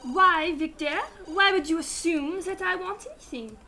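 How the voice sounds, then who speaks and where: An actress playing a sassy, sarcastic young detective's assistant in a sci-fi radio drama. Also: female voice, very high-pitched, a little slow, pushed and bright, a little hiss or hum, full character voice. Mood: teasing. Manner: sarcastic, teasing.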